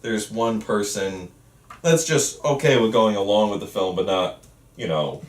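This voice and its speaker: Low-voiced man chatting in an echoey room. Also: measured pace. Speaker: writer of a student film script. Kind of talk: casual chat. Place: indoor room at a group table read. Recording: echoey room, far from the mic.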